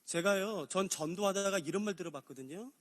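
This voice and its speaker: A man preaching in a church sanctuary, his voice sitting high for a man. He is animated and acts out short exchanges between people and God. Long reverb from the hall hangs on his words. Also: brisk. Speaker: pastor. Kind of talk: sermon.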